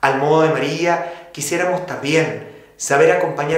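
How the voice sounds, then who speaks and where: A man at a very slow pace, with audible room echo. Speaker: priest. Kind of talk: sermon. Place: empty room.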